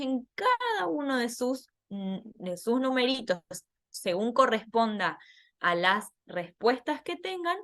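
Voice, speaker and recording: A woman's voice: a little high, a bit bright. A woman patiently explaining a scoring worksheet to students in an online class, laughing at herself now and then. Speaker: teacher.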